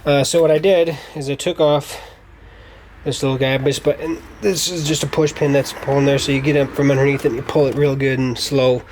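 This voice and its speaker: A man narrates a practical DIY job over clear background noise in a garage. His voice sits at an average pitch, and he explains each step informally with a folksy turn of phrase, talking while he works. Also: flat delivery, brisk, a little mellow. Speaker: DIY car tutorial presenter. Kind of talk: casual hands-on how-to narration. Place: garage, working around a vehicle. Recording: clearly noisy garage camera recording.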